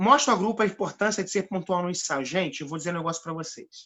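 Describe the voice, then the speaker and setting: This man's voice sits at a high pitch and moves with lively intonation. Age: 40s. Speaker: singing and vocal workshop instructor. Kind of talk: online workshop. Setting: live video call. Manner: animated.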